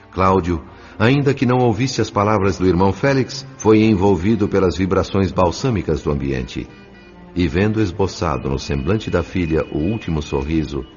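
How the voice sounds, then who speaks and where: A man giving solemn, measured, dramatic narration of a scripted audio story. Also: low voice, darkish tone. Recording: dull sound with music underneath.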